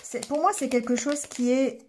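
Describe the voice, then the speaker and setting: Hoarse woman, mellow dark tone, tarot reader; hesitant, throat-clearing, checks in with viewers. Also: sits high, fairly even intonation, normal speed, a little hiss or hum. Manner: hesitant, many fillers and restarts, checks in with "d'accord?". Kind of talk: casual tarot reading addressed to viewers.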